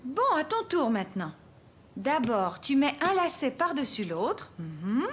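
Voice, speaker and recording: A woman voicing a gentle, patient young mother in a children's cartoon dub, encouraging and explaining things step by step. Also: high voice, big pitch swings, measured pace.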